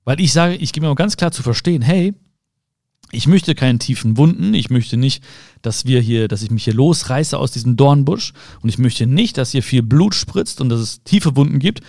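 A man hosting a reflective self-help podcast, speaking calmly and directly to the listener and often rephrasing his thoughts. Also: mid-range voice, moderate pace, dry recording, studio quality. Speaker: podcast host.

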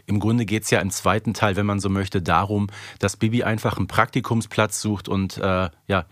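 A man's voice: fairly low pitch, steady tone, normal speed, no room sound, studio quality. A man chatting casually as a podcast co-host, discussing episodes as a fan.

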